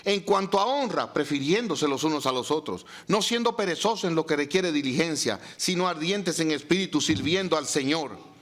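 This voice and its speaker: A pastor preaching a sermon, reading scripture and asking the congregation rhetorical questions. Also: male voice, on the high side, lively intonation, moderate pace, fairly bright tone.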